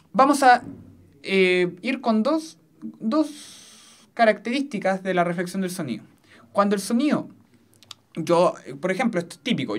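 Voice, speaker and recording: A teacher giving a recorded physics lesson in a foam-lined studio. They explain step by step and keep checking that the students follow. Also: mid-range voice. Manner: explanatory, often checks understanding.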